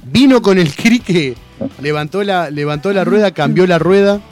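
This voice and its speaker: In a radio studio with faint music in the background, a young man speaking Rioplatense Argentine Spanish recounts a funny story. His voice sits high and his pace is moderate, and he laughs a lot, animated and full of slang.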